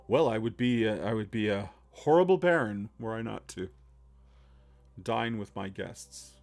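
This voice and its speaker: A man's voice: lowish voice, expressive, a little slow, creaky, a little mellow, voice pushed down. A man voicing an evasive, courtly island baron who hedges and stammers politely. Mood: genteel. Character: smooth-talking island baron, middle-aged man.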